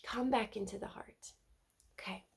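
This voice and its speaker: A woman's voice: mid-range voice, moderate pace, vocal fry, husky. A woman with a stuffy cold giving an earnest, casual spiritual card reading, often repeating words and adding "right?". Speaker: spiritual tarot reader.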